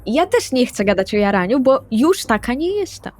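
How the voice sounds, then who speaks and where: A woman's voice: fairly high pitch, sing-song, moderate pace, a little mellow. A woman voicing an eccentric, protective vampire in an audio roleplay, motherly, cryptic and insistent.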